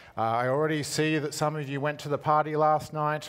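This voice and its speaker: This man has a fairly high pitch and a slight Australian accent. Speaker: tech executive presenting at a conference. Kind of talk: keynote presentation. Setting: stage with audience. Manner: hesitant, many fillers.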